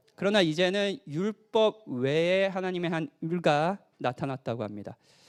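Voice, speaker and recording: Speaking at a fairly slow pace, this man has a high pitch and very wide pitch swings. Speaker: pastor. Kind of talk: sermon.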